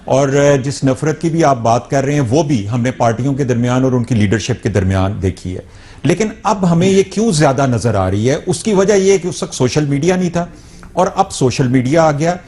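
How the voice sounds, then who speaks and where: Mellow-voiced male guest, deliberate. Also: mid-range voice. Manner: deliberate, hesitant fillers. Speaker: interview guest. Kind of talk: analytical interview answer.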